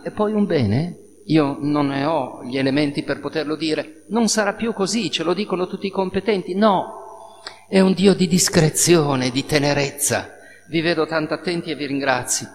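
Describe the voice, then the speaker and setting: A male priest giving a sermon, telling the story in a lively way with spoken sound effects. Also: fairly high pitch. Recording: reverberant hall with faint noise.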